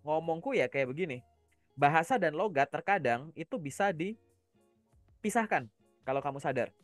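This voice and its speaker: Guy from java coaching casually, kinda high voice, dry close sound, asks if you get it. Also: lively intonation, normal speed, dry recording, soft background music. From Java, Indonesia. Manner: explanatory, asks listeners rhetorical check-in questions. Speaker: career coach.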